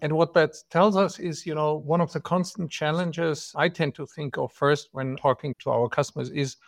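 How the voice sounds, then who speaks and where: A man's voice: fairly high pitch, fairly even intonation, normal speed, gravelly. A middle-aged man from Germany with a German accent, explaining product topics as a podcast guest, often adding "right?" and "so to speak". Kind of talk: podcast interview answers.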